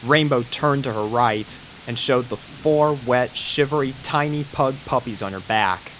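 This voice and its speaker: A man narrating a fan-written pony story in a steady storybook manner. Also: medium pitch, measured pace, a little hiss or hum, low-quality recording. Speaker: fanfic reader.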